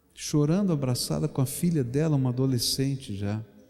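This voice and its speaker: Lively intonation runs through a somewhat breathy voice with a dark, mellow tone and a Brazilian accent. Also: man. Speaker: pastor. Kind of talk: sermon. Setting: church.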